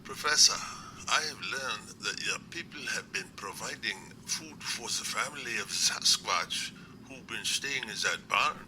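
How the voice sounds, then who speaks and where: A man playing an earnest, courteous doctor in an amateur audio drama, speaking in a formal, measured way. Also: lowish voice, close to an everyday voice. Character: earnest, courteous male doctor, secret Sasquatch researcher. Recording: clear background noise.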